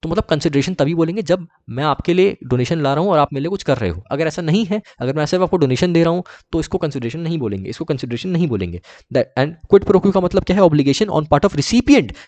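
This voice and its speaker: A man's voice: on the high side, lively intonation, a little mellow. Indian man teaching in a repetitive lecture. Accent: Indian English. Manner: repetitive, reassuring, reads rules slowly in English. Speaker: commerce tutor. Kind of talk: exam-prep lecture.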